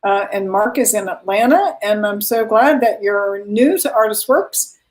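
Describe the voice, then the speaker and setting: A woman's voice: medium pitch, lively intonation, unhurried, low-quality recording. A woman hosting a live online event, chatting casually and greeting viewers.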